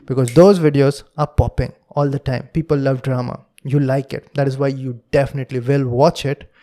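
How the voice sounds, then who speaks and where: Podcast host, young man, Indian English accent, warm tone, earnest lecturing delivery. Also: medium pitch, fairly even intonation, moderate pace. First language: Hindi. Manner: earnest, lecturing, acts out quotes in a raised voice. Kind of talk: solo podcast monologue.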